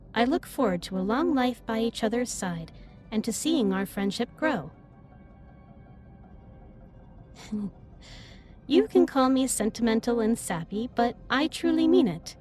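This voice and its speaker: Gentle, high-voiced alien captain played by a woman. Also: natural voice. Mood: heartfelt, affectionate. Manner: formal, precise, slightly stilted wording. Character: gentle, earnest female alien starship captain. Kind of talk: scripted roleplay audio, addressed to the listener.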